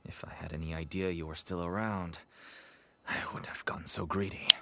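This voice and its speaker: A man's voice: deep voice, fairly even intonation, fairly quick, creaky, very noisy. An actor playing a nervous, wheedling male black-market dealer in a video game. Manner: pleading, wheedling.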